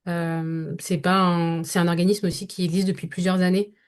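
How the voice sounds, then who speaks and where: A young woman with a fairly low voice answers interview questions about her voice-over work. She thinks aloud, stops often and restarts her sentences. She speaks French as her first language. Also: level tone, moderate pace, smooth. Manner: thoughtful, many hesitations and restarts. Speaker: voice-over actress, guest. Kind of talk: podcast interview conversation.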